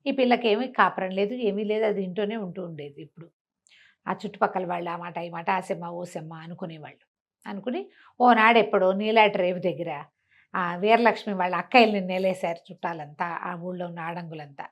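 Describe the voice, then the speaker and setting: A woman's voice: on the low side, steady tone, brisk. A woman storyteller telling a folk tale in a chatty, colloquial, conversational way, acting out the characters' remarks. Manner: chatty, colloquial, acts out villagers' quoted remarks.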